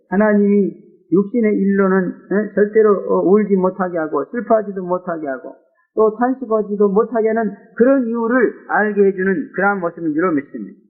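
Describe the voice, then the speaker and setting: A man preaching with a very high voice, emotive and exclaiming, often tossing rhetorical "eh?" asides at his listeners. The sound is thin and phone-like, as on an old lo-fi recording. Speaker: pastor. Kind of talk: sermon.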